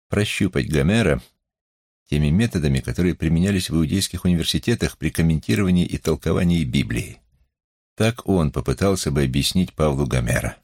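A man with an extremely low, husky, gravelly voice reads a novel aloud. He narrates in a measured, expressive way, with a lively, wide-ranging melody. The recording is close and dry. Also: no echo. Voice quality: husky, creaky. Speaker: audiobook narrator. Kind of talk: expressive literary audiobook reading.

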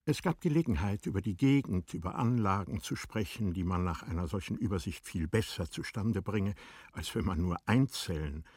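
A man reading scripted literary narration for a radio drama in a measured, expressive storytelling manner. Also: low-pitched, breathy edge, no room sound, clean studio sound.

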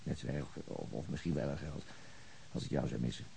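An actor playing a weary, principled veteran policeman in a radio drama, brooding and halting as he searches for words. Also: very deep voice, creaky, warm tone, a little hiss or hum, heavily acted. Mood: earnest, troubled. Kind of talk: naturalistic Dutch radio drama acting.

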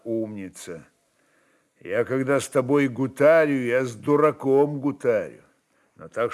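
A man voicing a sly, secretive Cossack ataman in his sixties, who talks quietly in a deliberately drawling, folksy way. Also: mid-range voice, close to an everyday voice. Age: 60s.

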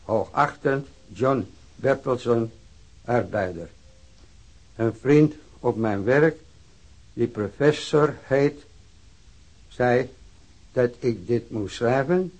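An actor playing a labourer who haltingly reads out his formal complaint letter, word by word. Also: mid-range voice, rough recording. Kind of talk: dramatized reading of a complaint letter.

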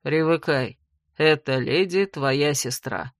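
A woman plays a haughty older brother from a fantasy storybook, his voice dropped deep and velvety. He speaks with biting, venomous sarcasm, every line a sneer. The reading sounds dry and close. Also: slow, no echo. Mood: contemptuous. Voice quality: low velvety voice.

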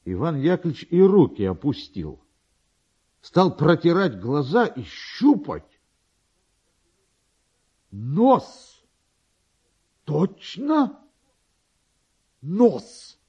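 Theatrical male storyteller, very animated pitch. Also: husky, muffled recording. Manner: theatrical, expressive, drawn-out pauses. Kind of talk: dramatic literary narration.

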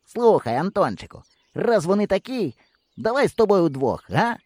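A man reading an audiobook, voicing an excitable, boastful boy who exclaims and teases his friends. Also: high-pitched, normal speed, no room sound, pitched above the performer's own voice. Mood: persuasive. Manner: eager, exclaiming, sarcastic.

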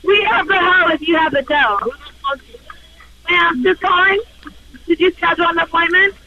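A woman heard over the phone, talking loudly and yelling into the receiver as she answers the line. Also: extremely high pitch, fairly even intonation, moderate pace, dull audio.

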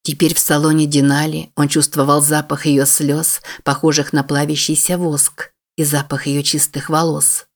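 An audiobook narrator reading a novel in steady scripted narration. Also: mid-range voice, normal speed, hardly any pauses.

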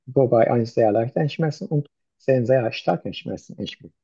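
Man as a doctor taking a history; halting and hesitant, husky and dark, dull lo-fi recording. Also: mid-range voice, no echo. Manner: slow, halting, many "äh" and "mhm". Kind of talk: medical exam role-play.

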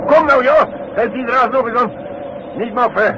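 An actor playing a gruff, snappy old demolition man who scolds his mate in a 1960s Dutch radio play. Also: very high-pitched, normal speed. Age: older. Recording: muffled, noisy 1960s radio recording.

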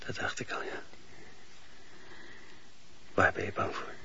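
Sharp-voiced, grave husband. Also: male voice, in a whisper. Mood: worried, coaxing. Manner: measured, formal, grave. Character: stern, anxious, devout husband, disapproving of a preacher. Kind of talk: Dutch radio play acting. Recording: dull, noisy old radio play tape.

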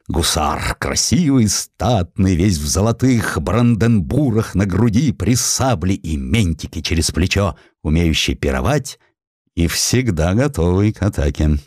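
A man narrating historical prose as a dramatic audiobook, with theatrical, expressive storytelling. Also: sits low, no room sound, clean studio sound.

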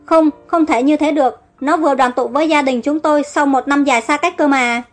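A woman's voice: sits high, steady tone, brisk, close to an everyday voice. A woman reading a sobbing distraught mother. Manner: sobbing, pleading. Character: grieving wealthy mother, distraught.

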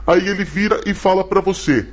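A Brazilian man hosting a comedy mock lesson as a professor, explaining in a halting, didactic way. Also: high voice. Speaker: comedy professor host answering callers.

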